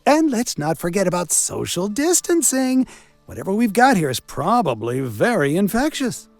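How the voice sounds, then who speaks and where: An actor voicing a sardonic, wisecracking village doctor and coroner in a video game, with a theatrical delivery. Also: male voice, sits high, very animated, normal speed, gravelly, dry recording, soft background music, full character voice. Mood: sarcastic. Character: sarcastic village doctor and coroner, self-styled man of science. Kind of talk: video game character acting.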